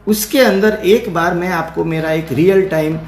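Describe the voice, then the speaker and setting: A middle-aged man from India speaks, hosting a live talk in a halting way, full of fillers, restarts and English phrases. His voice sits a little high. The room echoes around him, with faint music underneath. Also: darkish tone. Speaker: theatre producer and session host.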